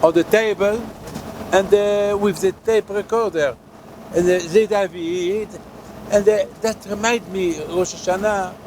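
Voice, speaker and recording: An older man from Morocco, a rabbi giving a sermon outdoors in a halting way, with many fillers and restarts. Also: high voice, fairly even intonation, darkish tone, slight background noise, poor audio. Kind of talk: sermon at a holy site.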